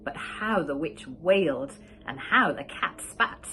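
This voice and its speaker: A woman teacher reading a rhyming picture book aloud, slow and expressive. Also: sits low, a little hiss or hum, low-quality recording.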